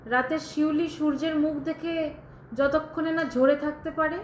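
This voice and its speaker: A woman's voice: high voice, fairly even intonation, a little slow. An actress playing a bitter, sardonic widow who tells her tragic story in a pointed, dramatic way in an audio drama. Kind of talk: Bengali audio drama acting. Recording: roomy echo, faint background noise.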